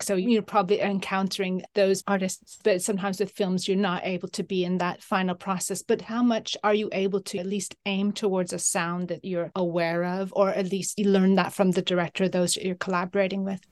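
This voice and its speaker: A woman's voice: medium pitch, fairly even intonation, a little fast, few pauses, a little mellow. Woman host asking long, engaged questions. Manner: engaged, builds long questions from guest's points. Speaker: interview host. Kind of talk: conversational interview questions.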